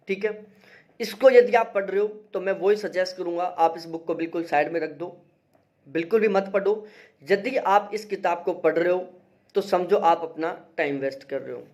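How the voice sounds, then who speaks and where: A man's voice: high voice, darkish tone. A young man, an exam-prep teacher, talking through study books in a casual, emphatic way and often checking in with his listeners. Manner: emphatic, repeats advice, frequent "theek hai" check-ins. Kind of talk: casual explanatory review.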